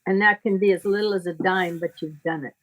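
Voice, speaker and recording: With a lowish, steady voice, a woman in the role of a spiritual teacher speaks conversationally, placing deliberate emphasis on her points and taking a moralizing tone.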